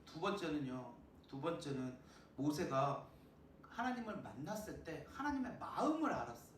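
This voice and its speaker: Lively, high-pitched man preaching in an echoey church. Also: moderate pace, a little hiss or hum. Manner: lively, asks the listeners questions, acts out voices. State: sore throat. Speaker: youth pastor. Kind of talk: sermon to students. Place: church sanctuary. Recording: echoey church, mic at a distance.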